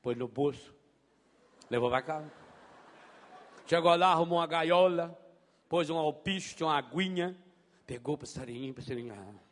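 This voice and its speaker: A priest preaching a sermon, telling stories in an animated way and mimicking voices. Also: male voice, fairly high pitch, normal speed, pauses often. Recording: long hall reverb.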